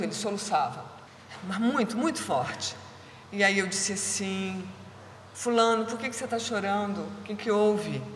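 A calm woman speaking to a gathering in a spiritual talk, her voice bright and clear. She tells her story gently and without hurry. The sound rings through a large, echoey hall with a faint hum of ambience behind her. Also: mid-range voice.

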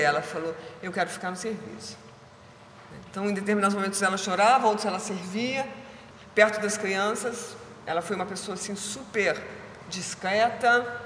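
Gentle woman telling a spiritual story. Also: medium pitch, slight background noise. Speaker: spiritual caretaker and speaker. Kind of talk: spiritual talk with personal storytelling. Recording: echoey hall with faint ambience.

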